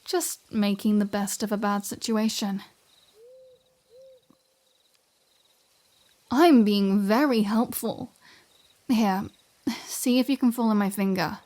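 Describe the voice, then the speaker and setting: A woman acts out a flirty female vampire in an ASMR-style audio roleplay. She sits at a middling pitch and talks straight to the listener, wry and teasing. Her delivery is chatty and sarcastic, with a self-serving streak. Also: a little mellow, lightly acted. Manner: teasing, wry, conversational with sighs and asides.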